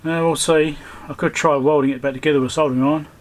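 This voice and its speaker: A man's voice: on the high side, fairly even intonation, fast. A man giving casual, hands-on repair commentary, thinking aloud and muttering to himself as he works. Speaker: electronics repairer presenting own repair video. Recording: clear background noise behind the voice.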